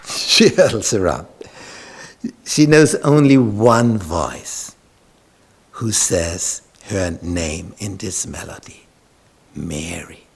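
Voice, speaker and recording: A man's voice: fairly low pitch, slightly rough. A male pastor preaching a sermon, telling the Bible story dramatically and sometimes dropping to a whisper. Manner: slow, dramatic, drops to whispers when retelling scripture.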